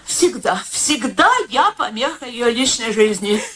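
Insistent, self-pitying elderly mother, animated, slightly high, in faintly hissy radio drama. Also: a little slow. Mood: plaintive. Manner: coaxing, plaintive, insistent. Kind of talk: radio play acting.

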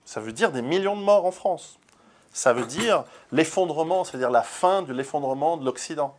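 A man's voice: on the high side, lively intonation, moderate pace, slight background noise. A man, an author, answering interview questions in an earnest, forthright way, with many fillers and repeated words.

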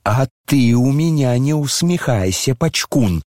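A man voicing an agitated, scolding older noblewoman, reading with shrill indignant outbursts in a dry studio sound. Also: lively intonation, unhurried, a little mellow, dry recording, lightly acted.

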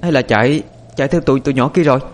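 A man's voice: very fast, slight background noise, close to an everyday voice. A man voicing a panicked young girl searching for her little brother, pleading and crying. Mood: frantic. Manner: crying, pleading, high-pitched. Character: panicked young village girl, older sister.

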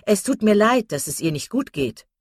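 A woman's voice: medium pitch, big pitch swings, normal speed, breathy edge, no echo, clean studio sound, voice pushed up. A woman doing a simpering, vain young chatterbox. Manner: simpering, affected.

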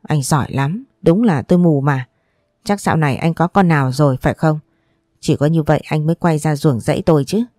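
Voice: fairly quick, mellow, no echo, studio quality, faint music behind, lightly acted. A storyteller voicing a jealous, quarrelsome young wife who accuses and whines. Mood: accusing. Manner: shrill accusing, whining.

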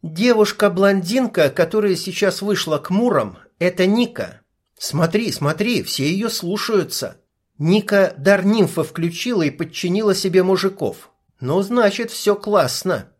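Male narrator doing a blunt young woman sniper for an audiobook; high voice, curt and impatient. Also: expressive, unhurried. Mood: watchful. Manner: brash, clipped, swears. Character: tough young female sniper, blunt and tense.

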